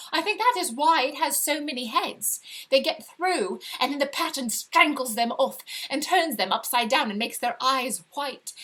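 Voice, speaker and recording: Female actor as Victorian wife losing her reason, British accent, higher register, intense and secretive with hushed emphasis, literary monologue. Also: exaggerated voice. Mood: excited, conspiratorial. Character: obsessive, secretive young 1890s wife slipping into madness. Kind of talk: dramatic first-person short story reading. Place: live reading over video call.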